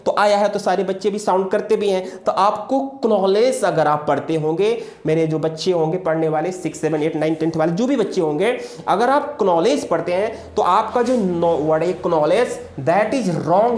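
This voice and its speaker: A man teaching an English grammar lesson. He drills example words emphatically, jumping high and dropping low, and slowly repeats key words. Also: roomy sound. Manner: emphatic, drills examples with sharp rises and drops. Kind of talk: classroom-style video lesson.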